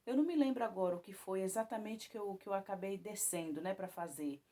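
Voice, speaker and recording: A woman telling a personal Christian testimony to viewers in a rambling way, with many restarts and tag questions, her voice climbing high and loud when she recounts moments of alarm. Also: fast.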